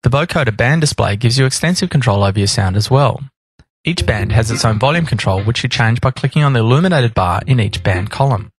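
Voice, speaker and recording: A man reading scripted instructional narration in a measured, explanatory manner. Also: mid-range voice, expressive. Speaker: tutorial narrator.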